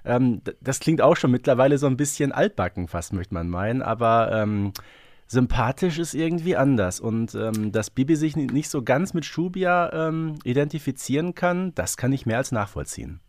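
A man's voice: medium pitch, lively intonation, moderate pace, a little mellow, dry recording. A man co-hosting a podcast, talking casually and analytically, wordy and thinking aloud as he goes. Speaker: podcast co-host. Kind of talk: casual fan discussion, analytical chat.

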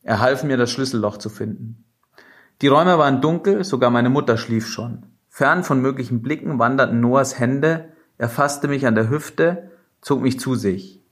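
A man reads a novel aloud in the first person, at a mid pitch for a man. His narration is measured and expressive, in a steady storytelling manner. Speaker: audiobook narrator.

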